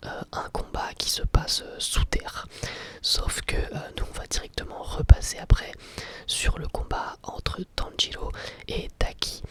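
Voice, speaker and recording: An ASMR creator whispering a casual review, speaking haltingly in short phrases. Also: medium pitch, fairly bright tone. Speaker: ASMR YouTuber reviewing anime.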